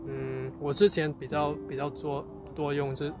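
Higher-pitched man speaking foreign-accented Mandarin haltingly. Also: little pitch movement, music in the background. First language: not Mandarin, a foreign learner of it. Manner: halting, searches for words, repeats phrases. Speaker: co-host, Chinese learner. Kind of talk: casual unscripted chat.

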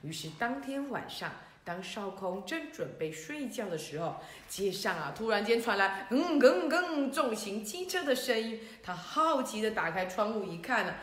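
A woman hosting a children's story show, telling stories in a lively, coaxing way to young listeners. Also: medium pitch, moderate pace, hardly any pauses. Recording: roomy echo.

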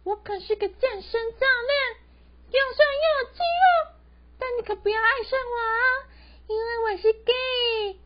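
A woman's voice: extremely high pitch, normal speed, long pauses. A teenage girl with a Taiwanese Mandarin accent playing a boastful, muscular gay male gym trainer in an amateur radio drama. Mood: cheerfully boastful. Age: teens. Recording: dull lo-fi student recording.

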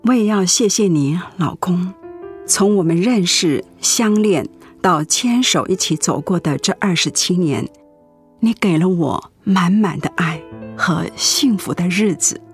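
A woman playing a gravely ill middle-aged Christian mother in a radio drama, speaking gently, earnestly and consolingly. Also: fairly low pitch, animated, a little slow, faint music behind. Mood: tender, emotional. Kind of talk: Mandarin radio drama acting.

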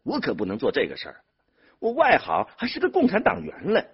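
A man voicing a stubborn, principled village party member who talks briskly and indignantly. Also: fairly high pitch, wildly swooping pitch, husky, pitched above the performer's own voice, full character voice. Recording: dull lo-fi audio.

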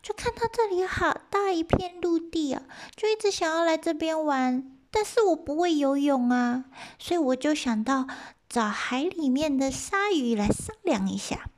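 Brief: a tiny whining hare, shrill and coaxing, storybook telling, put on by a woman narrator. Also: moderate pace, natural voice. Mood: coaxing, sly. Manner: high crying whine, sing-song. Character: small hurt whining male hare, pleading and sly.

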